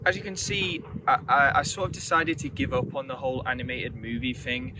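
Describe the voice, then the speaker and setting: A man's voice: mid-range voice, lively intonation, brisk. A man talking to camera outdoors in a park, rambling and joking. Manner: jokey, rambling, nervous-sounding. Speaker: channel host. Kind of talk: on-location vlog intro. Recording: distant outdoor mic with loud ambient noise.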